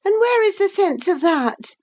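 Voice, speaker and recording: A woman putting on a high, peevish young lady. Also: animated, measured pace, darkish tone. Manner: high, petulant and complaining. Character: petulant, peevish young woman, quick to irritation.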